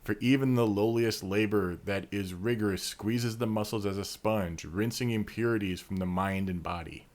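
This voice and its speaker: A man's voice: fairly low pitch, steady tone, normal speed, hardly any pauses, darkish tone. A man co-hosting a podcast, teasing in casual chat and reading long lore passages aloud. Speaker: podcast co-host.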